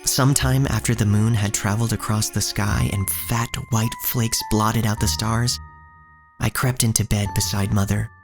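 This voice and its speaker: A man playing a solemn narrator who tells of a poor street childhood in measured, scripted audio drama storytelling. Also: on the low side, fairly even intonation, gravelly. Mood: somber, measured. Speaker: first-person narrator. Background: music.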